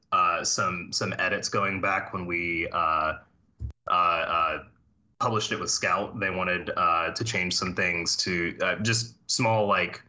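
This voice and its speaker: A man's voice: low voice, pushed and bright. A man, a comic book writer, talking as a podcast guest, with frequent fillers and restarts. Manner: halting, many fillers and restarts. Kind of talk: casual podcast interview.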